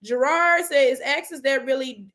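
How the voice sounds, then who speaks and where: A woman's voice: sits high, unhurried, a bit bright. A woman with a Detroit accent chatting casually on a livestream, reading viewer comments aloud, loose and slangy, laughing often. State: voice cracking. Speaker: YouTuber reading live chat comments.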